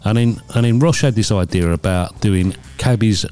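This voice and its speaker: A man hosting a podcast, with a very low, mellow voice. He teases his co-host and tells stories in a blunt, casual way. Faint music plays underneath. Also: moderate pace, clean tone. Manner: teasing, storytelling, blunt. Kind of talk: casual chat.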